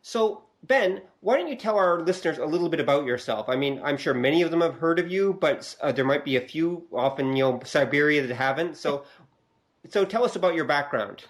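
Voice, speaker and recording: A man hosts a casual podcast with a slightly high-pitched voice. He asks his guest questions in a friendly, easygoing manner. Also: expressive, fairly quick. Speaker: podcast host.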